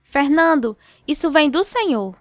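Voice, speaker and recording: Encouraging religious wife, Brazilian accent, gentle and reverent, slightly high voice, radio drama, very dry sound. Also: female voice, expressive, unhurried, no room sound. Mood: encouraging, interested. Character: devout, encouraging wife of a teacher.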